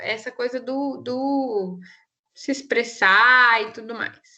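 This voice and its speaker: The voice is raised and projected, shrill, with a bright, sharp tone. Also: woman. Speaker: literature teacher. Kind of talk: online class lecture.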